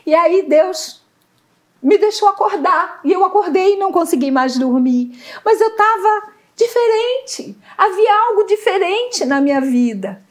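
A middle-aged woman giving an emotional faith testimony, earnest and halting, often searching for words. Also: very high voice, lively intonation. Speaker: guest sharing testimony.

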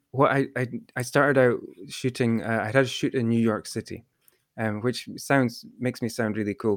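A man's voice: lowish voice, no room sound, studio quality. A man hosting a podcast, reading the sponsor spot and then telling a long story with many ums and restarts. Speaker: podcast host. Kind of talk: podcast interview and sponsor read.

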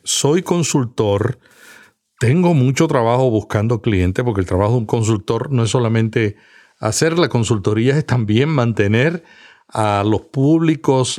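A man's voice: medium pitch, a little mellow. Puerto Rican man hosting, jokey. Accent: Puerto Rican Spanish. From Puerto Rico. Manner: jokey, tells stories with acted quotes. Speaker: podcast host. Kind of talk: casual interview chat.

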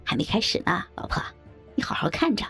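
A woman's voice: brisk, fairly bright tone, faint music behind, natural voice. A woman voicing a crude, swaggering young groom who swears and threatens. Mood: teasing.

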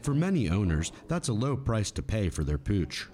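A male news reporter reads his story in a crisp cadence. His voice is very deep, with a lively rise and fall. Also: moderate pace.

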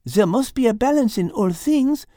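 Man voicing a high, gentle French lady cat. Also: expressive, moderate pace, dry recording, studio quality. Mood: patient, teaching. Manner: patient explaining, sprinkles in French words. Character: brilliant, gentle female French cat who loves teaching. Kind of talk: children's animal story.

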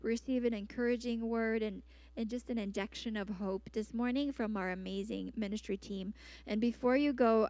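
A woman at a church service reads out announcements and words of healing in a bright, chatty way, breaking off for playful asides. Her voice sits a little high. The sound is dry and close, with no room echo. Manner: upbeat, chatty, with self-aware asides. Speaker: church host making announcements. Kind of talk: post-sermon announcements and words of knowledge.

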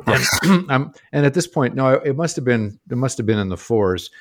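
A man's voice: medium pitch, lively intonation, moderate pace. A man co-hosting a casual comedy podcast, telling joking anecdotes. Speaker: podcast co-host.

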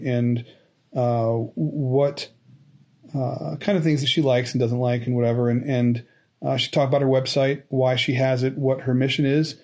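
A man's voice: medium pitch, warm tone. A man of forty hosting his own podcast, talking casually with many restarts and fillers. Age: 40s. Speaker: podcast host. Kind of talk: casual interview chat.

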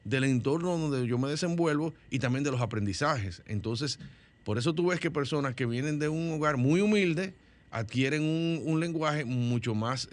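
Man, Dominican Spanish accent, talk-show guest, mid-pitched voice, explanatory, frequent restarts. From Dominican Republic. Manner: explanatory, many restarts and repeated words. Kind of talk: studio discussion.

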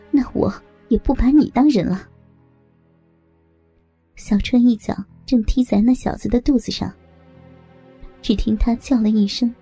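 A woman narrating a novel in the first person as an audiobook, steady and even. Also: on the high side, gravelly, husky, no room sound.

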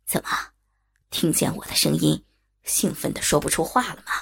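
A woman voicing a sinister, leering male blackmailer in a spoken story, with a husky, gravelly, taunting tone. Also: low voice, little pitch movement, normal speed, fairly bright tone, voice pushed down, heavily acted. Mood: menacing taunt. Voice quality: gravelly, husky whispery growl. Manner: menacing, taunting, mocking.

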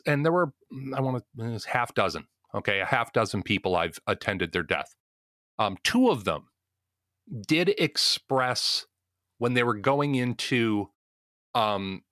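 A man hosting a podcast, speaking in a deliberate, measured way as he leads the group. His voice sits low but has a bright, forceful edge. The sound is dry and close. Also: no echo. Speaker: podcast host. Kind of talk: podcast discussion.

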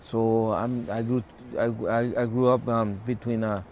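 An activist guest from the Mexico-California border region, whose first language is Spanish, tells a personal story in conversation. His voice is on the low side, a little mellow, with fairly even intonation. He speaks haltingly with many restarts and repeated words, over slight background noise.

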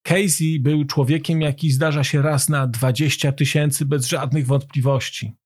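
A man voicing an excited Irish man gushing over a poem in a storybook reading. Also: a little high, moderate pace, slightly rough. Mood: enthusiastic. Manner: enthusiastic exclaiming.

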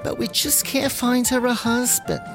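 A woman's voice: on the high side, fairly even intonation, moderate pace, creaky, over music. A woman playing an effusive, motherly Jewish matchmaking rabbi in a comedy audio drama, gushing and coy. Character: effusive matchmaking woman rabbi, chatty, secretly scheming host.

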